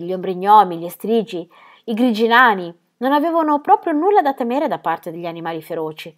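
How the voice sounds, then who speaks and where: A woman reading a children's story aloud, measured and expressive, with hushed, sad passages. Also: mid-range voice. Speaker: narrator.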